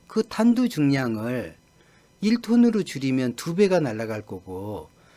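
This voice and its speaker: On a very clean recording with a silent background, a man with a dark, mellow tone speaks at a very slow pace with very wide pitch swings. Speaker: YouTube commentator on military affairs. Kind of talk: spoken commentary video. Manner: soft-spoken.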